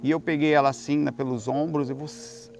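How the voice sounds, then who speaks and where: A man with a Brazilian Portuguese accent telling a long story in a casual, rambling monologue, swearing freely and swinging between hushed and loud. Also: fairly high pitch, fairly even intonation, a little fast, gravelly, soft background music.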